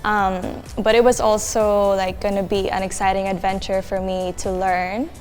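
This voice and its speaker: A young woman from the Philippines speaks as an international student. She talks casually and chattily, leaning on fillers, in an ordinary mid-range voice. Soft music plays underneath. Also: medium pitch, flat delivery, normal speed. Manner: chatty, many filler likes.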